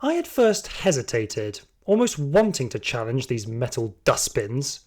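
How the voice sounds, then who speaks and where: A man's voice: medium pitch, very animated, unhurried. A man playing a hardened, trigger-happy security guard, telling his story in dramatic first-person audio drama narration. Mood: defiant.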